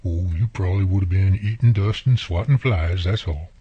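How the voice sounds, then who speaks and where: A man's voice: low voice, normal speed, dark tone, breathy edge, no room sound. An actor playing a friendly, plainspoken country handyman neighbor with an American country accent, talking folksily in a radio drama. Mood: neighborly. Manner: folksy, colloquial, drawling turns of phrase. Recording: muffled, lo-fi audio.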